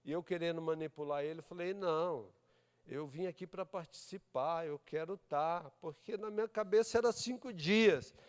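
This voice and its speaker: A Brazilian man preaching a sermon, telling his own story and acting out the dialogue, swinging between loud and hushed speech. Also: on the high side, normal speed, clear, resonant tone, big-room sound. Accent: Brazilian Portuguese. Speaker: pastor. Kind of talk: testimony sermon. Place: church service.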